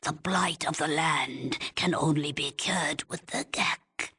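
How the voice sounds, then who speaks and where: A woman playing a grave old tribal village elder in a video game, with a raspy, breathy voice and a solemn, pleading, halting way of speaking. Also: low-pitched, sharp tone, full character voice. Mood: grave, urgent. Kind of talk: video game character dialogue.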